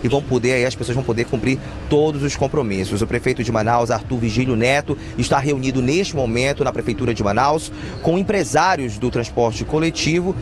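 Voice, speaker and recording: A man's voice: medium pitch, a little fast, background noise. A man with a Brazilian Portuguese accent reporting live on a handheld mic at an outdoor bus terminal at night, ad-libbing with some hesitation. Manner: ad-libbed, with hesitations. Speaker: field reporter.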